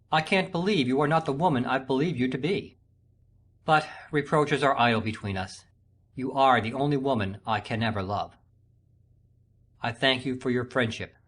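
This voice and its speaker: A woman voicing a proud young man whose proposal was refused, speaking low and bitterly. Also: normal speed, pauses often, slightly rough.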